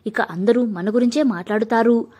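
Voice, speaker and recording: A woman's voice: a little high, moderate pace, breathy edge. A woman voicing a stern, proud mother. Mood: pained, firm. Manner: sharp and scolding, softening into grief. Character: stern middle-aged mother, proud, fierce about family honour.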